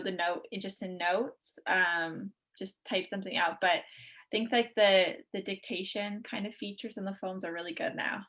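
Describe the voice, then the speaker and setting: A woman co-hosts a podcast in a relaxed conversational style. Her voice is bright and forward, with a medium pitch. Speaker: podcast co-host. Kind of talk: casual chat.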